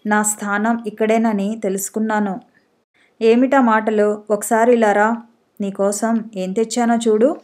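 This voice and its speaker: A woman reading the part of an exasperated young husband, a busy doctor, in a storybook reading, close to her own voice with a fairly high pitch. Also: little pitch movement, unhurried, darkish tone, close to an everyday voice. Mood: coaxing. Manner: exasperated, pleading.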